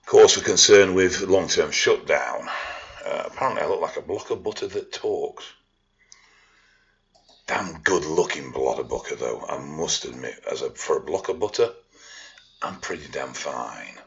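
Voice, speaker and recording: A man's voice: rumbling low, lively intonation, normal speed, gravelly, highs cut off. A Yorkshire man answering viewer questions in a casual vlog, blunt and dry-humoured, swearing freely. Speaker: fitness and art vlogger. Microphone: own vlog mic.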